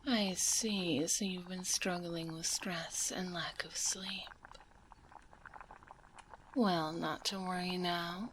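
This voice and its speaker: A soft, breathy witch alchemist, acted by a woman in an ASMR roleplay. She speaks very slowly and fairly low, half whispering, soothing and gently teasing. The close binaural recording carries clear background noise. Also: fairly even intonation, poor audio. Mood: reassuring. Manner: unhurried, soothing, calls listener dear. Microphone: close binaural microphone.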